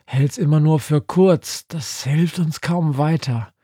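A man's voice: fairly high pitch, slow, warm tone, husky, no room sound, studio quality, voice pushed up. A man voicing a grumpy, stubborn old female Christmas witch. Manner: cranky, stubborn.

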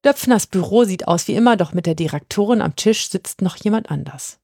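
A woman narrating a storybook in a lively, even-paced reading. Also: mid-range voice, a little fast, breathy edge, no echo, studio quality. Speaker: audiobook narrator.

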